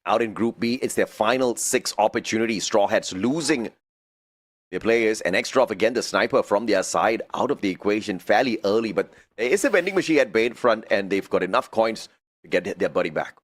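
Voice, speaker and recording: A man's voice: lowish voice, animated, brisk, no room sound. Male esports caster calling live play. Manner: esports caster delivery, narrating the action with exclamations.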